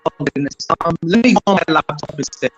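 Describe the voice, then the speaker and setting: A man's voice: on the high side, expressive, husky, faint music behind. A man calling into a live stream, hurrying through a mic check while his audio keeps breaking up. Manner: hurried mic check, repeating counts. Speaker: call-in commentator. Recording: choppy lo-fi call audio, off-mic.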